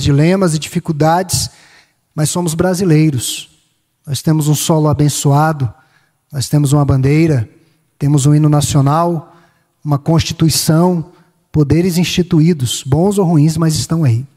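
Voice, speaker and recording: A Brazilian pastor with a Minas Gerais lilt delivers a sermon in a high, ringing tenor. He builds slow lists of phrases and lifts his voice on the words he wants to stress. The sound carries a long tail of reverb from a large church hall. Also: warm tone. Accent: Brazilian Portuguese, Minas Gerais. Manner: measured preaching, lists in slow cadence, rising emphasis on key phrases.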